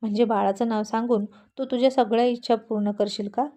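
A woman's voice: fairly high pitch, steady tone, a little fast, mellow, natural voice. A woman voicing a young police officer husband who is affectionate and teasing, in a storybook reading.

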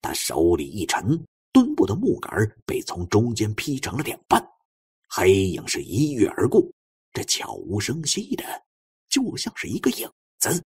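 A man narrating a suspense audiobook in a theatrical way, moving between hushed and forceful delivery. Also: on the low side, slightly rough.

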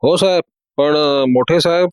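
A man's voice: fairly high pitch, a little slow, smooth, no echo, lightly acted. A man voicing a timid male assistant who hesitates and stammers. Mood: hesitant.

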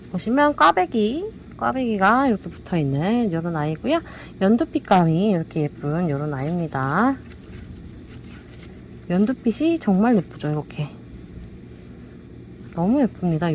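A woman presents handmade flower pots in a lively, sing-song voice that swoops up and down. She coaxes viewers along and keeps asking if the pots aren't pretty. A faint room hiss sits under her voice in the shop. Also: medium pitch. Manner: cheerful, coaxing, keeps asking "pretty, right?". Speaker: pot shop seller. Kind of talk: product showcase talk. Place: indoor pot shop.

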